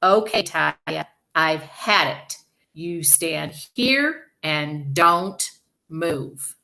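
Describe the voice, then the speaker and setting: A woman's voice: medium pitch, animated, slow, fairly bright tone. Woman acting an exasperated, emphatic storybook dad. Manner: emphatic, scolding, exclaiming. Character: exasperated, stern but flustered father.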